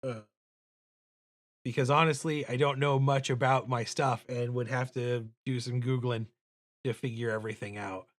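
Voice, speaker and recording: A man's voice: fairly even intonation, moderate pace. A man livestreaming casually as he draws, thinking aloud in a mumbly, self-deprecating way. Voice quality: deep voice. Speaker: livestreaming illustrator and host. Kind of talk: casual livestream chat while drawing. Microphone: streaming microphone.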